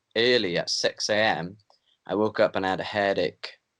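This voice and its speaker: Against a quiet background, a man with a British accent is heard in a dry, close sound with no echo. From UK. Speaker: debate opponent. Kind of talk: debate.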